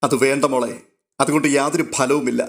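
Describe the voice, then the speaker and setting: A man reading a storybook, voicing a calm, firm older-sister woman who speaks steadily and sternly. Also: mid-range voice, fairly quick, close to an everyday voice.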